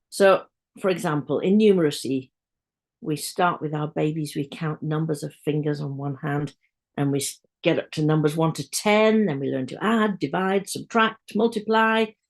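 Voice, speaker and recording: A woman with an English accent speaks at a very deep, low pitch. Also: lively intonation. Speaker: music teacher. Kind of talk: webinar presentation. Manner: fast.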